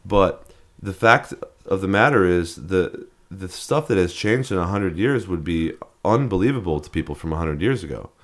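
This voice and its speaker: A man with a fairly low voice talks through ideas in a loose, rambling way. He restarts sentences and leans on fillers as he chats with a co-host on a podcast. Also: expressive, normal speed. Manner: rambling, many restarts and fillers, laughs at odd names. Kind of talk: casual chat.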